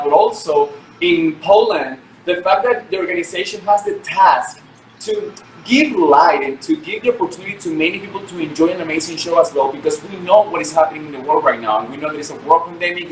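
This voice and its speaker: A young man from Venezuela, his first tongue, answers interview questions earnestly over a video call. His voice sits a little high and rings in an echoey room with faint noise behind. He reaches for words with fillers and restarts. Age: 20s. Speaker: guest, pageant winner.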